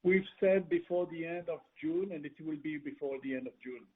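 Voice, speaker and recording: A man with a slightly high voice answers as a company executive on an earnings call. He speaks haltingly, repeating and rephrasing as he goes. The sound is narrow and tinny, like a phone conference line. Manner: hesitant, repeats and rephrases words.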